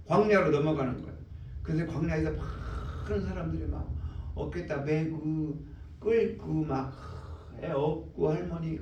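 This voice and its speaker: An animated preaching man in an echoey church hall. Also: on the high side, slight background noise. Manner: animated preaching, acts out voices of people in the story. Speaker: pastor. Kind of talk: sermon. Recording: echoey room, mic at a distance.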